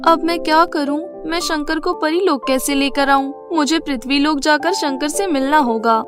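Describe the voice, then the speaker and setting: A woman playing a young lovestruck fairy, earnest and determined, in an animated fairy tale. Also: high-pitched, moderate pace, music in the background, lightly acted. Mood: lovelorn, earnest.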